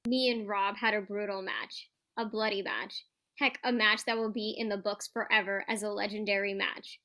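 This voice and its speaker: A woman's voice: medium pitch, little pitch movement, moderate pace, pushed and bright. A woman reading the part of a boastful, trash-talking champion pro wrestler in a staged promo reading, stumbling now and then over the script. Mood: boastful, challenging.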